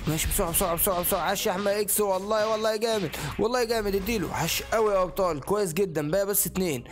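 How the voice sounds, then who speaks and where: A high-voiced Egyptian man narrates his game at a breakneck clip. He is excitable, tossing in English catchphrases between rapid shouts. Faint game music runs underneath. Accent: Egyptian Arabic. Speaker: gaming channel host. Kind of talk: excited Let's Play commentary.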